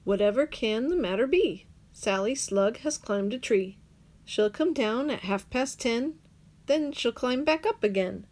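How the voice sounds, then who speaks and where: A woman teacher reading a children's picture book aloud, slowly and clearly, with sing-song rhymes. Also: fairly high pitch, lively intonation, darkish tone.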